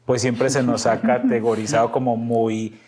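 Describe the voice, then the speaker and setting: A middle-aged man with a Paisa accent from Colombia, a pastor, speaks at an easy mid pitch. He tells long stories, laughs often, and repeats phrases as he goes. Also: level tone, normal speed, darkish tone. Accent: Colombian Paisa (Antioquia). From Colombia, Medellín. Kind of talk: relaxed storytelling interview.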